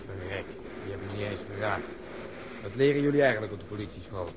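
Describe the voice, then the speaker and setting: An actor playing a blunt, sardonic, impatient police detective in a radio drama. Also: male voice, lowish voice, fast, lightly acted. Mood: irritated. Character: gruff, sarcastic, impatient plainclothes police detective, male. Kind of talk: Dutch radio drama acting. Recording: noisy old radio drama recording.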